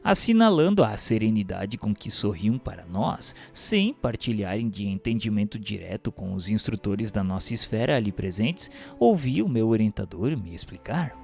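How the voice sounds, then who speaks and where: A man narrating a radio serial in scripted literary first person, with formal, measured delivery. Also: fairly low pitch, expressive, creaky, a little mellow. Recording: music bed behind the voice.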